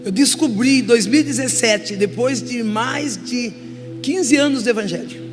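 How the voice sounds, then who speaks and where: A middle-aged woman with a Brazilian Portuguese accent giving an emotional testimony sermon as a guest preacher, moving from soft confession to loud exhortation. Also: a little high, moderate pace. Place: church hall. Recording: reverberant church hall with music.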